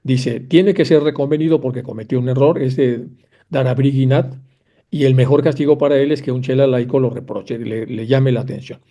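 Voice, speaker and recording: A man with a very dark, mellow voice gives a lecture, reading old passages aloud and then stepping aside to explain them in plain, conversational asides. He speaks straight to his listeners, with the odd filler as he thinks. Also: medium pitch, fairly even intonation, a little fast. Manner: addresses listeners directly, with fillers. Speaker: lecturer on theosophy.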